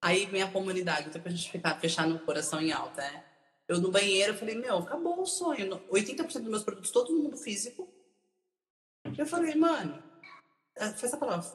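Speaking at a fairly quick pace yet with long, frequent pauses, a woman uses a medium pitch that swings very widely. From São Paulo, raised by northeastern family. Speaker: entrepreneur, community builder. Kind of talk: casual interview chat on a livestream.

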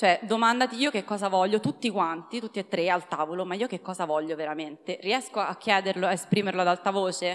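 Very fast delivery from a woman at medium pitch, with ordinary pitch variation and hardly any pauses. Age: 30s. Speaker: podcast host. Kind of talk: casual chat.

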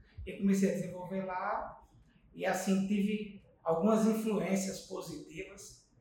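A man's high-pitched voice at a fairly slow pace, with audible echo from the room. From Rio Grande do Norte, Brazil (Acari, Natal). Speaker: wholesale retail business owner. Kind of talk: interview.

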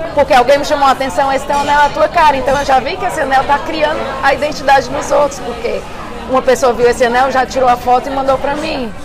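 A high-pitched woman speaks at a very fast pace in a monotone, flat way. Crowd noise sits in the background, along with audible room echo. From Brazil, Fortaleza, Ceará. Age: 40s. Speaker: account manager. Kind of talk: interview conversation. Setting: café.

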